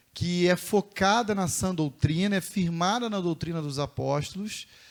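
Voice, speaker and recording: Speaking at a moderate pace with a Carioca accent, a man uses a high pitch and fairly even intonation. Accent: Carioca (Rio) Portuguese. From Rio de Janeiro, Brazil. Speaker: pastor. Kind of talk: sermon.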